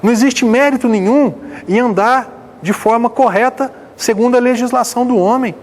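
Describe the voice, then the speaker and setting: A man preaching a sermon as pastor, firing rhetorical questions and swinging between loud emphasis and hushed passages. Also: very high-pitched, normal speed.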